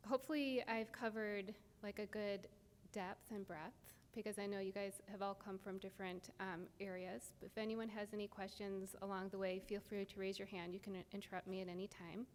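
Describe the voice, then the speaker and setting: A soft-spoken woman giving an academic lecture, explaining step by step with frequent ums. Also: mid-range voice, little pitch movement, moderate pace. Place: lecture hall. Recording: reverberant lecture hall, faint noise.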